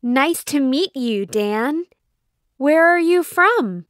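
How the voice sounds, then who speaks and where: Slow, high-pitched woman reading lesson lines. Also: lively intonation, dry recording, studio quality. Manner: slow, clearly enunciated. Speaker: dialogue reader. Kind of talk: scripted language-lesson dialogue.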